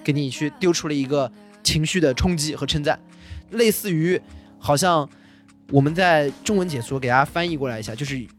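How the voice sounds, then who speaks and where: A man talking casually on a podcast, explaining his views in an animated way. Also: fairly high pitch, a little fast, faint music behind. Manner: animated, explanatory, lots of fillers. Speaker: podcast host. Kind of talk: casual chat.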